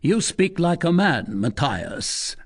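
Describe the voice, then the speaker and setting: A man's voice: on the high side, big pitch swings, slow, husky, pitched above the performer's own voice, exaggerated voice. A man voicing a bold, commanding male king of beggars in an audiobook, barking orders in a rousing way. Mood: scheming.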